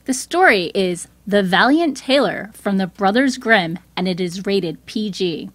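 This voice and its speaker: A woman host reading scripted storybook narration in a clear storytelling delivery. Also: medium pitch, expressive, measured pace, fairly bright tone, no echo.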